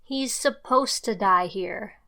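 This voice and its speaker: A woman plays a cool, firm woman in an audio drama. Her mid-pitched voice is measured and blunt, with little sentiment. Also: pushed and bright.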